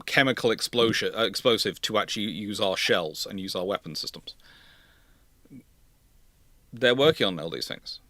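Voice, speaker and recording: A man's voice: on the low side, pushed and bright, no room sound. A man hosting an unscripted expert discussion of naval ships, often correcting himself and repeating points for emphasis. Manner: hesitant self-correcting, emphatic repetition. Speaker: host.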